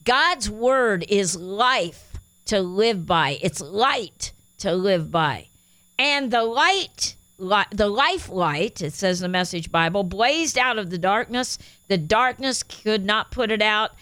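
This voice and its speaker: A woman's voice: medium pitch, animated, slow pace, sharp tone, dry recording. A woman with a Spanish accent co-hosting a Christian radio show, reading Bible verses aloud with enthusiasm. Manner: enthusiastic, reads scripture aloud with emphasis.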